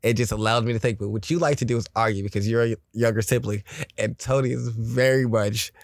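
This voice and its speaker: A man's voice: mid-range voice, fairly even intonation, a little fast, creaky, no room sound, clean studio sound. A man co-hosting a casual podcast chat, blunt and profane, telling stories with animation. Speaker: podcast co-host.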